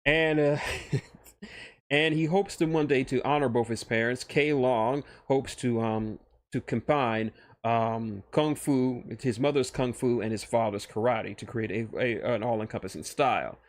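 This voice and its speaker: His voice mid-range, a man offers laid-back stream commentary on fictional characters he wrote, pausing and restarting his phrases frequently as he explains.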